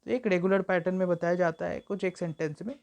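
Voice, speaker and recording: A young woman tutor giving an exam-prep lecture, explaining at length with frequent fillers and slowing down to read example sentences aloud. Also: lowish voice, a little mellow. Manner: reads English examples slowly and deliberately. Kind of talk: exam-prep lecture mixing Hindi and English.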